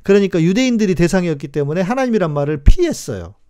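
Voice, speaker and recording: A man's voice: sits high, sing-song, quick pace, dark tone, clear, resonant tone. A man in his forties, a pastor hosting a live stream, teaches in a chatty, emphatic way, repeating key words and answering viewers' comments as he goes.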